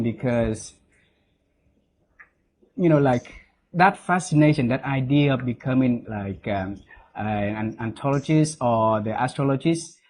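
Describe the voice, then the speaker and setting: A man's voice: medium pitch, a little mellow, a little hiss or hum. A man with a Vietnamese accent hosting an interview. He talks eagerly and keeps checking in with his guest by tagging "right?" onto his lines. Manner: eager, leans on "right?" tags. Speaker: interview host. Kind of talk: interview conversation.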